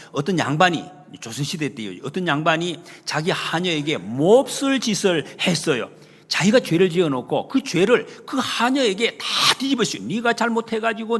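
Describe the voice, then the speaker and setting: A male pastor preaching a Sunday sermon in a church, animated and emphatic, often acting out the lines he retells. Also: mid-range voice, husky. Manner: retells scenes with acted quotes. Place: church sanctuary. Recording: long hall reverb.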